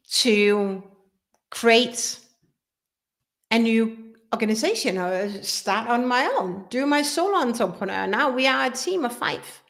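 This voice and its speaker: Slow-speaking woman. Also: a little high. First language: Danish. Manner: earnest, repeats and restarts phrases. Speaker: business coach. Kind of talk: live workshop talk.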